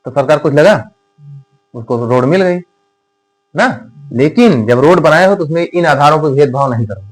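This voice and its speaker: A man's voice: a little high, expressive, poor audio. Man teaching a casual classroom lecture. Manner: conversational, asks rhetorical questions, dictates slowly.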